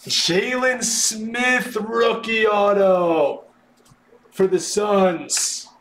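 A man hosting a live sports card break, announcing names in an excitable, drawn-out way, his voice starting to wear. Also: high-pitched. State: voice starting to give out. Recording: roomy echo, background noise.

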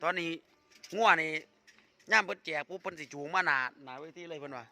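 A man with an Isan accent hosting a village vlog, chatting with a friend and promoting a raffle in a lively, joking way. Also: fairly high pitch, quick pace. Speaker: vlogger host. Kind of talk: casual chat and live promotion.

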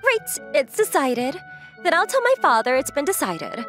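A woman plays a proud young heiress in a manga dub. She is blunt, teasing and sure of herself, in a slightly high, very expressive voice over faint music. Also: moderate pace. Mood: smug. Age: young adult. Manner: self-assured, matter-of-fact, teasing.

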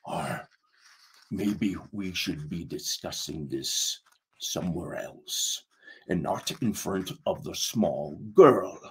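Guy doing a calm pirate first mate, slow piratey therapy talk, pitch swings around, storybook style. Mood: hushed, placating. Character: Rotten Pete, calm, preachy male pirate first mate with a hook.

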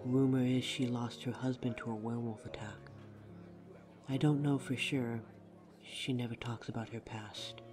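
A man's voice: medium pitch, fairly even intonation, moderate pace, natural voice. A man playing a courteous but snide vampire barista in an audio roleplay, polite, dry and teasing. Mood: explaining, polite. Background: music behind the voice.

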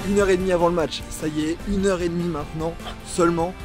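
A football vlogger in his twenties talks fast in a high, steady voice, holding a camera at arm's length as he walks around outside a football stadium and then into the stands. Chatty and enthusiastic, he explains what he sees in casual walk-and-talk narration, with music playing in the background.

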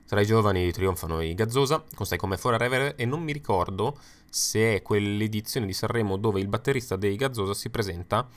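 A man's voice: fairly low pitch, brisk. A young adult man hosting a casual, opinionated video commentary, chatting with frequent fillers and asides. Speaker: YouTube host ranking songs. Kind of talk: casual spoken commentary over slides.

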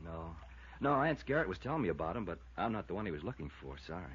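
An actor playing a guarded, outwardly friendly young boathouse owner in a 1950s radio drama, with a husky American voice. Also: male voice, sits low, sing-song, fast, a bit bright, a little hiss or hum. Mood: guarded, casual. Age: late twenties. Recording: dull vintage radio recording.

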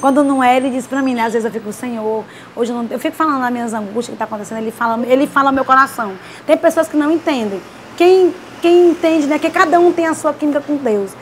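Woman, quick and animated, slightly high voice, emotional testimony, faint background noise. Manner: animated storyteller, voice drops low and soft at times. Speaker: city councilor.

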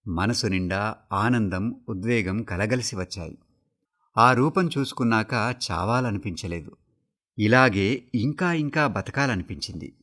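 Man reading a story on the radio. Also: fairly low pitch. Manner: steady, measured reading. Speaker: story reader. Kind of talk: scripted radio story narration.

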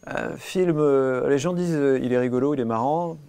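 A man in his thirties hosting a local TV studio interview, asking brisk, lightly teasing questions. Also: mid-range voice, warm tone, clear, resonant tone. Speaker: TV host. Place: small TV studio.

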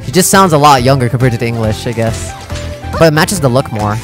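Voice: medium pitch, animated, fast, over music. A gaming YouTuber giving casual, slangy reaction commentary full of exclamations.

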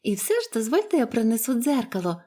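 A storybook's cheerful young orphan girl is read aloud by a woman, who gives her a high, bright, eager voice well above adult pitch. She chatters on with bouncing delight at normal speed, with only light acting.

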